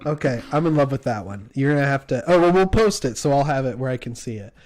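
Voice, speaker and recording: A man co-hosting a podcast in casual chat, excitable and quick to laugh. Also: mid-range voice. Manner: excitable, gushing, laughs easily. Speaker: podcast co-host.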